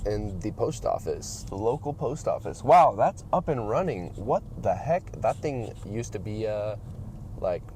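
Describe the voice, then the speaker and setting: Laid-back guy podcast guest driving n chatting, soft dark tone, car noise. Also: lowish voice, very animated, unhurried. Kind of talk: casual chat while driving. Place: inside a car on the road. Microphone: podcast microphones, portable. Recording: clear car and road noise.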